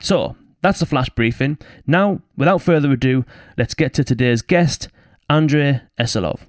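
A man hosts a podcast and welcomes his guest. He talks quickly and with upbeat emphasis, his voice recorded dry and close, with no room sound. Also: medium pitch, no room sound. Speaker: podcast host. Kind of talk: podcast hosting and interviewing.

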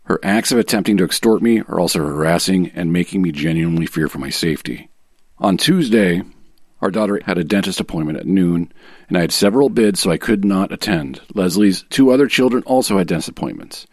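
A man voicing an aggrieved husband in a dramatic reading of a sworn legal statement, measured, formal and self-righteous. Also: low voice, animated, a little mellow, no echo, studio quality.

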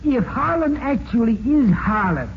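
An actor playing a dim, excitable, griping American sidekick in a 1940s radio drama, slangy and easily confused. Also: male voice, extremely high pitch, a little slow, full character voice. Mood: exasperated. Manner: slangy, easily muddled, complaining. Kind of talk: 1940s radio comic-relief acting. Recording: muffled, hissy 1940s radio recording.

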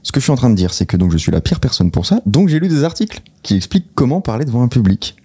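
A man co-hosting a podcast in casual chat, teasing with deadpan self-mockery and reading out notes. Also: mid-range voice, very fast, slightly rough. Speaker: podcast co-host.

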